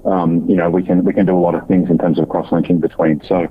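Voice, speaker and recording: On a tinny, band-limited phone conference line, a man speaking as a company executive fields analyst questions off the cuff during an earnings call, using corporate language. His voice is low-pitched and level, and he talks fast over slight background noise.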